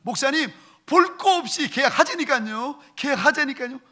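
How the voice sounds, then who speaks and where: A male pastor voicing an insistent older woman church deaconess who scolds him loudly and is quick to anger. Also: extremely high pitch, lively intonation, voice pushed up, heavily acted. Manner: loud, scolding, pressing.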